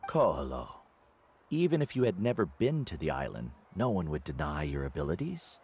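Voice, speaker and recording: A deep-voiced wise old tribal mentor. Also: male voice, sing-song, slight background noise. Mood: teasing. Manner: measured, gentle and instructive. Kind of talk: game voice acting.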